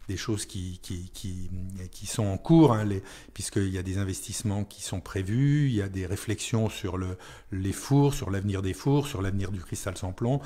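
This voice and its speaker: A man's voice: deep voice, normal speed, mellow. A man speaking as a town mayor in an unscripted radio interview, hesitating and repeating words as he searches for phrasing.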